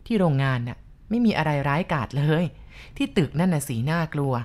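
A stern older man lays out his ghost lore in an insistent, lecturing tone, voiced by a woman reading a story aloud. The voice sits fairly low and keeps a firm, steady push behind each explanation. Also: fairly quick.

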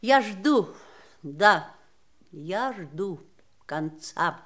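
An actress playing an elderly, bitter wife of a dying man in an audio drama, measured, reflective and dryly ironic. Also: on the low side, lively intonation, fairly bright tone, exaggerated voice. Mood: bitter, weary. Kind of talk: stage-style audio drama acting.

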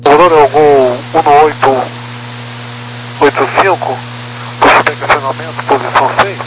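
A man's voice: fairly high pitch, fairly even intonation, normal speed. A Brazilian man, an airline pilot, making procedural readbacks over aviation radio. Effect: aviation radio transmission. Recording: noisy humming cockpit radio.

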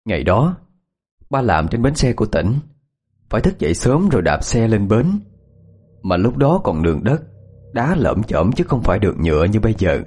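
A man narrating a ghost story in a measured tone. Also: lowish voice, very animated, a little mellow, husky.

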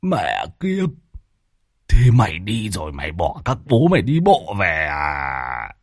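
A man voicing a panicky, blustering old male exorcist who curses and shouts in a husky voice. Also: huge pitch swings, slow, no echo, studio quality, heavily acted. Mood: frantic. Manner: shrill, cursing, frantic shouting.

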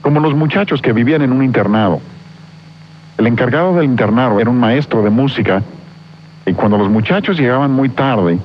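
A man's voice: medium pitch, lively intonation, fairly quick. A man teaching a Bible seminar, preaching emphatically and asking his listeners rhetorical questions. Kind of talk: seminar sermon. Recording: dull lo-fi recording with faint noise.

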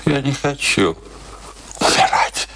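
An actor in a radio play playing an ailing, stubborn, embittered old soldier, gruff and scornful, afraid of death. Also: male voice, medium pitch, animated, slow pace, bright, forceful tone, slight background noise, full character voice, low-quality recording. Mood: weary, fearful. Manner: gruff, scornful, theatrical outbursts.

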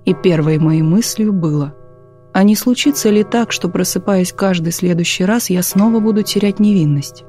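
A woman narrating a literary audiobook in a calm, measured reading style. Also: medium pitch, faint music behind. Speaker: audiobook reader.

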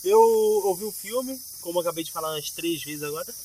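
A man's voice: sits high, brisk, warm tone, a little hiss or hum. A man co-hosting a comedy podcast, chatting in a playful, rambling, jokey way. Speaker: podcast co-host. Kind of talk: casual comedic banter.

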